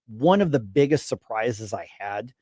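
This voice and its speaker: A man in his fifties hosting a casual radio talk show interview, chatty and halting, often restarting his sentences. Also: lowish voice, lively intonation, dark tone, no room sound. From United States. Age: 50s. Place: radio studio. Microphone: studio microphone.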